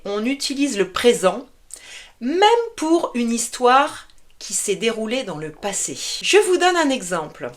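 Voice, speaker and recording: Lively-voiced woman teaching spoken French. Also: on the high side. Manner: clear, deliberate teaching delivery with lively intonation. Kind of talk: scripted lesson explaining spoken French.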